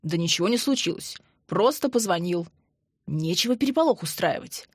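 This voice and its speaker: A woman's voice: on the low side, expressive, moderate pace, breathy edge, no echo. A woman voicing a young man who talks in a dry, teasing way. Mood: wry. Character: young man, wry and joking.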